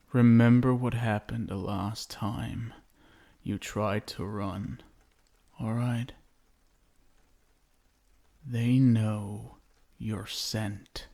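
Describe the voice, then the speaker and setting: Guy doing a low voiced vampire husband for asmr roleplay, super slow, coaxing, possessive and doting. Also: gravelly, heavily acted. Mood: coaxing, condescending, then menacing, protective. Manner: soft coaxing endearments, lingering deliberate pauses.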